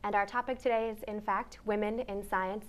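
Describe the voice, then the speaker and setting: A woman's voice: mid-range voice, fairly even intonation, normal speed. A woman moderating a panel discussion with upbeat, encouraging remarks. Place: panel discussion for community television.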